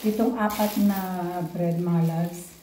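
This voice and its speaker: A woman's voice: on the low side, steady tone, takes it slowly, mellow, roomy sound, a little hiss or hum. A woman from the Philippines with a Filipino accent, chatting casually to viewers while she works as a nanny, filmed on a handheld camera. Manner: chatty, addresses viewers as friends. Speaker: vlogger and nanny. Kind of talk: casual vlog chat. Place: house and garden, indoors and out. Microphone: handheld compact camera.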